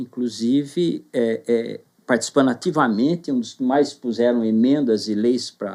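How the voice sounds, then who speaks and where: This man has a medium-pitched voice with a dark, mellow tone and ordinary pitch variation. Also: fairly slow pace. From Brazil, Cotia, São Paulo state. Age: 70s. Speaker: ophthalmologist and former city councillor. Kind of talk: interview. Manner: halting, with repetitions.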